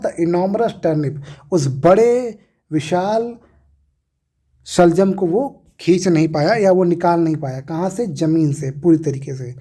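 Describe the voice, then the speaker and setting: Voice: mid-range voice, warm tone, husky. A teacher explaining a lesson, asking questions and answering them while repeating key words. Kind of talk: explaining an English reader lesson.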